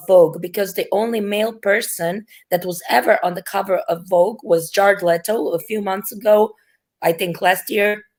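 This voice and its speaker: A woman speaks with a non-native accent. Her pace is moderate and her pitch varies in an ordinary way. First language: not English. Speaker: guest on discussion show. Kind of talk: casual debate.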